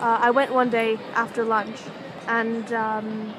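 The woman's pitch is fairly high. The sound is dry with no echo, but background noise is noticeable. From United States. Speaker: vlogger and hospital researcher. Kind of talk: casual vlog monologue. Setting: outdoors in a busy city square. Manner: hesitant, many filler words. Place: street. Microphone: phone near.

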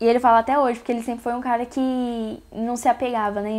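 A woman speaks with a high-pitched voice. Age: 20s. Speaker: lash designer, partner of a prisoner; interviewee. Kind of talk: documentary interview. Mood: reflective, personal. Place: home room.

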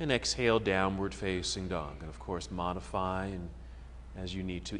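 A man's calm voice with vocal fry over light background noise. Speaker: yoga instructor. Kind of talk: guided yoga class instruction. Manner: brisk, cueing poses in rhythm with breath; calm, encouraging. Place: gym.

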